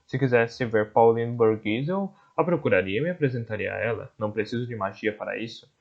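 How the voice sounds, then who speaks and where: A man voicing a courteous, clever magician who talks in a polite, measured way. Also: mid-range voice, vocal fry, muffled recording.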